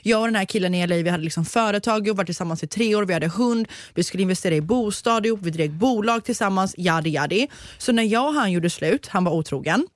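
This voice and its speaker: A woman's voice: mid-range voice, expressive, no echo. A young woman co-hosting a podcast in casual chat, teasing her friend with blunt banter. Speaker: podcast co-host.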